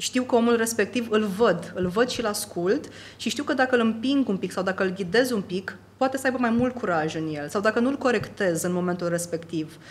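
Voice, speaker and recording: A woman talks at a moderate pace. Her pitch sits fairly high, and her intonation is lively. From Romania, Constanța county (Tatar community). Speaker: entrepreneur. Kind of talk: interview.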